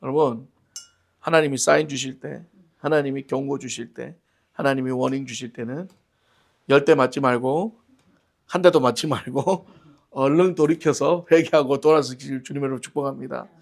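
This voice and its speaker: A male pastor leads a Bible study. He tells stories expressively, swinging between loud exclamations and near-whispers. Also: medium pitch, fairly even intonation, normal speed, gravelly. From Gyeongsang region, Korea. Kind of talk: animated Bible-study teaching and prayer. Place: church library.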